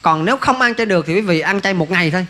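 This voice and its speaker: A man's voice: high-pitched, lively intonation, very fast, bright, forceful tone. A man, a monk giving a folksy dharma talk that keeps asking listeners rhetorical questions. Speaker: Buddhist monk teacher.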